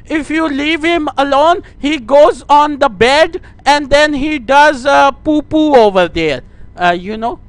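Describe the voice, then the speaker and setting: A man with a South Asian accent talking as a prank caller in a halting, repetitive, deferential way. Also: extremely high pitch, dry recording. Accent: South Asian English. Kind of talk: staged phone conversation.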